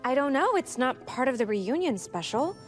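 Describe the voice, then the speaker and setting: A woman's voice: high voice, sing-song, normal speed, over music. A woman playing a polished, reassuring host of a scripted comedy reunion special. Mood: upbeat, presenting. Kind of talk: bright scripted TV presenting in a comedy.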